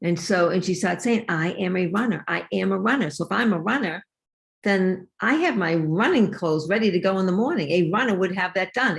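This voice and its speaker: A woman's somewhat breathy voice at medium pitch, with ordinary pitch variation and a fairly quick pace, on a very clean recording with a silent background. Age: 60s. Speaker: fitness and weight loss coach. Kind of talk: interview.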